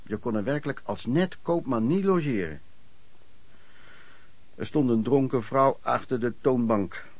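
A man's voice: medium pitch, animated, unhurried, pauses often, a little mellow, dry recording. An actor playing a former traveling merchant recounting his lodging-house years in colloquial radio drama narration. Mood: reminiscing.

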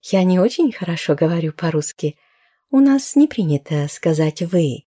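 A woman voicing a young foreign woman skydiver who talks in an easy, open and slightly halting way. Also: lowish voice, big pitch swings, warm tone. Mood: friendly.

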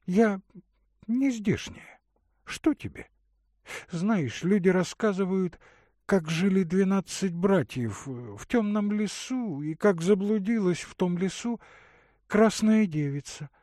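A man reading aloud and voicing a gentle, caring young woman who speaks in a soft, singsong lilt. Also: high-pitched, lively intonation, slow, dry recording, clean studio sound, voice pushed up. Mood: tender.

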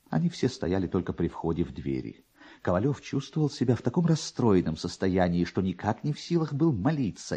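Male narrator for classic prose: low, husky voice, theatrical delivery with sweeping intonation. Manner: theatrical, expressive. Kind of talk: dramatic literary narration.

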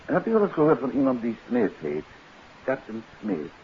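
An assured gentleman detective in an old radio serial. His voice is mid-pitched with very varied intonation, courteous and quietly probing. The recording is muffled, with a faint hiss. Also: wildly swooping pitch, normal speed, gravelly. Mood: businesslike. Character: calm, assured gentleman detective, a considerate husband. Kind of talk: 1950s radio drama acting.

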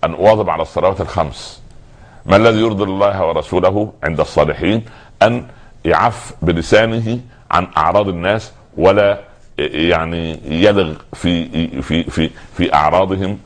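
A man's voice: sits low, steady tone, a little fast. A man preaching a sermon, pressing listeners with rhetorical questions that build in emphasis. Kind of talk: religious sermon.

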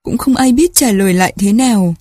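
A woman reading a storybook aloud as an audiobook narrator, measured and in short phrases. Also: mid-range voice, warm tone, slightly rough, no echo, studio quality.

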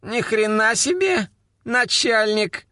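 A man voicing a brash, vulgar young woman with a husky smoker's voice, shrieking high and crude. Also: expressive, takes it slowly, bright, forceful tone, dry recording, studio quality, full character voice. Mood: brash, indignant.

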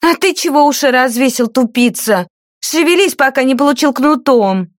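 A woman's voice: high-pitched, animated, moderate pace, no echo, studio quality, pitched above the performer's own voice. A woman reading an audiobook, voicing a spiteful, haughty noblewoman who hisses and snaps at her servant. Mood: furious. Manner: hissing, snapping, haughty. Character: spiteful, shrill noblewoman, domineering mistress of a page.

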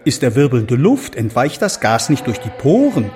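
An actor playing an embattled, zealous early Christian follower, declaiming solemnly in archaic language for a radio drama. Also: male voice, mid-range voice, big pitch swings, moderate pace, a little mellow, faint music behind, close to an everyday voice. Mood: indignant.

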